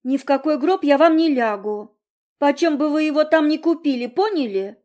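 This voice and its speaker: A woman's voice: high-pitched, steady tone, a little slow, a little mellow, voice pushed up. A woman voicing a brash, defiant sick young girl who talks bluntly and cheekily.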